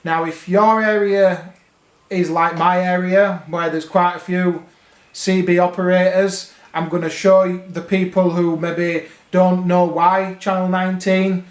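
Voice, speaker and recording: A man's voice: sits high, little pitch movement, measured pace. A British man talking casually to viewers, explaining things as a radio hobby vlogger. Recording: roomy, echoing indoor sound.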